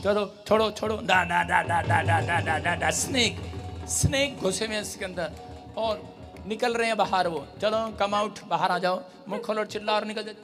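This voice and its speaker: A man leading a live prayer service as pastor, commanding and repeating his orders in rising shouts. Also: high-pitched, moderate pace, over music.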